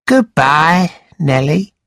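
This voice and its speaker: Man putting on a cold scheming moneylender, storybook villain, taunting, slow, dry sound. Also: on the high side, dry recording, voice pushed up, exaggerated voice. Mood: scolding. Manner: taunting, calm and cutting.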